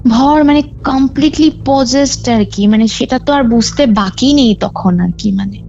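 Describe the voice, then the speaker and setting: A woman caller recounts a ghost story in a rambling way, full of fillers and restarts. Her voice sits a little high and has a dark, gravelly grain. The call sounds dull and lo-fi, with faint music underneath. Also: moderate pace, a little hiss or hum. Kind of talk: casual storytelling over a phone call.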